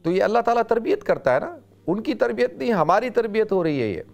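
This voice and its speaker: A middle-aged man from South Asia giving an informal religious lecture in a loud, emphatic preacher's voice, repeating phrases for emphasis. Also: high voice, sing-song, gravelly. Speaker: religious scholar giving a talk.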